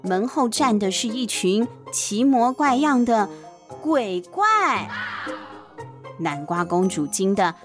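A woman with a Taiwanese Mandarin accent, hosting and narrating children's bedtime stories in an expressive, chatty way with explanatory asides. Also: mid-range voice, slow, soft background music. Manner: expressive, chatty explaining with sentence-end particles. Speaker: podcast host and storyteller, a mother.

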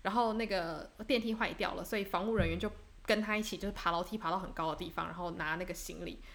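A woman's voice: fairly low pitch, steady tone, fast talker, creaky, a bit bright. A young woman from Taiwan co-hosting a podcast, chatting casually and reflectively, with fillers and restarts. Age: young adult. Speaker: podcast co-host. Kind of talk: casual chat.

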